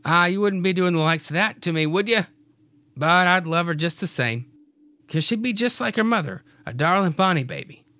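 A man's voice: high voice, lively intonation, normal speed, bright, forceful tone, no room sound, pitched above the performer's own voice. A man doing a stubborn proud farmer. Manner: raised, gruff put-on voice with a wobbly attempted brogue. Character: proud hard-working farmer husband, stubborn.

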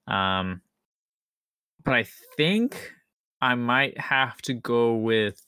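A man's voice: mid-range voice, animated, very slow, bright, forceful tone, clean tone, no room sound. A man on a podcast panel chatting casually, thinking aloud and repeating his phrases as he works out a point. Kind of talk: casual chat.

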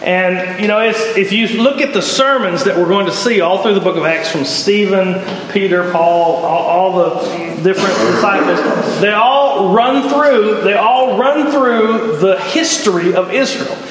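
A man's voice: sits high, measured pace, hardly any pauses, crowd noise. A man with a Southern US accent teaching an informal Bible class, conversational and folksy, asking his class questions. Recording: echoey hall, dull lo-fi sound.

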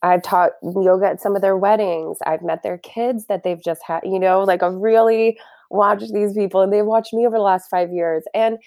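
A woman's voice: medium pitch, fairly even intonation, moderate pace, darkish tone, no room sound. A woman who is a guest yoga teacher, speaking candidly and bluntly in a casual conversation. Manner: candid, blunt, lots of fillers.

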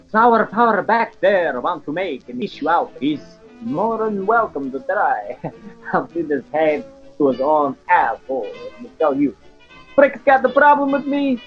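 A man's voice: on the high side, sing-song, measured pace, faint music behind. A man playing a cocky, belligerent drunk in an audio drama, swaggering and crude, on a slightly dull recording. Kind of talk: audio fiction acting.

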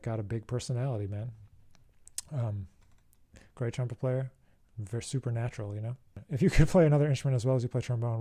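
Man, thirties, very mellow dark tone, mid-pitched, rambling casual livestream chat, jazz trombonist at home. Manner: rambling, laid-back, many fillers. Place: home room.

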